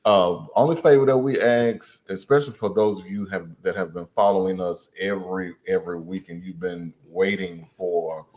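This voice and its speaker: Man, low voice, casual podcast co-host, easygoing, repeats phrases. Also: steady tone, moderate pace, hardly any pauses, darkish tone.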